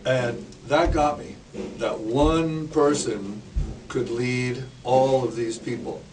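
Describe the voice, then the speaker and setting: A man's voice: medium pitch, takes it slowly. A Canadian man in his sixties, a drummer and educator, telling stories in a casual interview with small jokes. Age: 60s. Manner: relaxed storyteller, sings snippets, jokes. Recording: distant mic with clear background noise.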